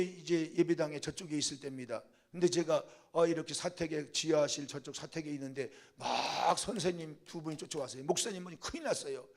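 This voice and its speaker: An older male pastor delivering a sermon in a high, lifted voice. He preaches with fervor, breaking into loud peaks and calls to his listeners, then drops into a quieter, storytelling tone. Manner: quieter storytelling when recounting a past event. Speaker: senior pastor.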